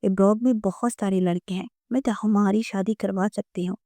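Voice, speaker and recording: A woman's voice: medium pitch, steady tone, warm tone, no room sound, lightly acted. A woman reading the part of an anxious fiancée who talks earnestly. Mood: apologetic.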